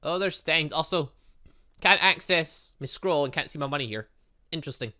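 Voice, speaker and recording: Reading a visual novel's dialogue aloud for his gaming channel, a man chats and reacts between lines in a let's play. He speaks at normal speed in a highish voice that sounds pushed and bright.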